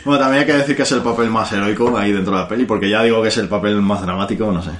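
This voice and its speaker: A man co-hosting a casual film podcast, easygoing and quick to laugh. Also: lowish voice, roomy sound, a little hiss or hum. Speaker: podcast co-host.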